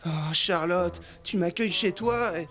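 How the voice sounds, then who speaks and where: A man's voice: high-pitched, a little slow, sharp tone. A man playing an earnest, apologetic young dog owner in a French-dubbed children's cartoon, hesitant and stammering. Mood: apologetic, sincere. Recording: music behind the voice.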